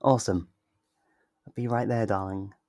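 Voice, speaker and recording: A man's voice: fairly low pitch, steady tone, mellow, no room sound, lightly acted. A man playing a sweet, possessive yandere lover in an intimate ASMR roleplay, tender and reassuring. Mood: affectionate, doting. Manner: tender, reassuring, slow and deliberate.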